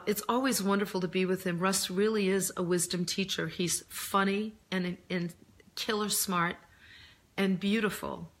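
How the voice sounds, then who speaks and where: A middle-aged woman recovering from laryngitis, chatting casually on a live stream in a reflective, earnest, halting way, her voice deeper than usual. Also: fairly bright tone. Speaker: host of a live stream, author and coach. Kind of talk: casual live chat answering viewer questions.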